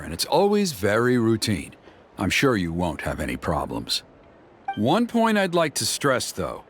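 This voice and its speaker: Courteous, animated old tribal elder. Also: male voice, mid-range voice, slightly rough. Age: older. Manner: courteous, persuasive, formal. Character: smooth, flattering, scheming old tribal elder. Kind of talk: video game voice acting.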